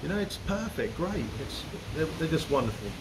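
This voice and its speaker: A middle-aged man chatting as a guest, meandering and restarting his sentences, recorded in a room with a steady air-conditioner hum. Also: on the high side, fairly quick. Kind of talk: casual conversation. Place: room in the Philippines.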